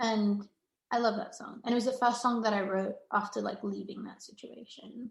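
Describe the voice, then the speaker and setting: Somewhat breathy and fairly high in pitch, a woman speaks at a moderate pace with fairly even intonation and big swings in loudness. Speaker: singer-songwriter. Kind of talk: interview. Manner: stutters at times.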